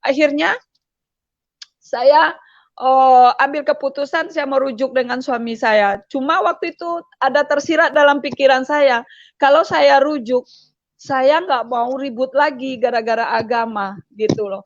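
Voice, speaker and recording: A middle-aged woman giving an emotional personal testimony, repeating herself and pausing with hesitations. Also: high-pitched, dry recording, muffled recording. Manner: emotional, repetitive storytelling with frequent hesitations. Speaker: testimony speaker.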